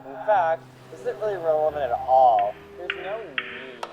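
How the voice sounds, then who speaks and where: An actor playing a wry, apologetic ghost in a radio drama, speaking in a droll, casual way. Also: male voice, a little high, lively intonation, a little slow, lo-fi sound, noisy background. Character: wry, apologetic dead man's ghost in a hallucination.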